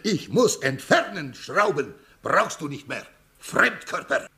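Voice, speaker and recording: A hearty Russian surgeon in a radio play, pushy and keen on the knife, speaking broken German. His voice is gravelly and bright, and it swings widely up and down. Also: a little high, big pitch swings, takes it slowly, heavily acted. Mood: eager. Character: boisterous Russian male surgeon, keen to cut.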